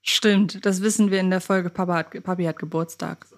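Woman from north germany just chatting on a quiz podcast, voice a bit low. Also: steady tone, brisk. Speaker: podcast co-host and quiz contestant. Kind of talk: casual chat.

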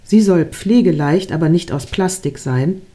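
A woman's voice: fairly low pitch, moderate pace, mellow, close to an everyday voice. A woman reading as a patient old creator god. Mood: proud, patient. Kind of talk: reading a story aloud.

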